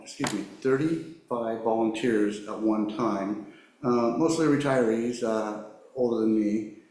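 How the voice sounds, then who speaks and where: A man who is a sheriff's deputy, sounding nasal from a cold, giving a halting meeting presentation with many fillers over a video call. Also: mid-range voice, darkish tone. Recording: echoey room, faint noise.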